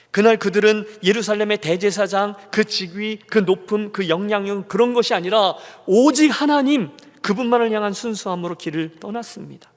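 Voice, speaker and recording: A man preaching a sermon as pastor, telling a story with feeling, acting out quoted prayers and hushing his voice for gentle replies. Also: high voice. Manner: drops to hushed slow lines for quotes. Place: church sanctuary. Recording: long church-hall reverb.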